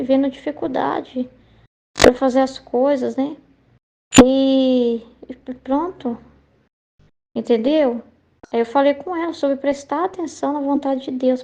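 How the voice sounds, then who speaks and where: A woman's voice: high-pitched, gravelly, dark tone, lo-fi sound. A woman sharing a casual spoken faith testimony, hesitant and searching for words, often checking in with tag questions.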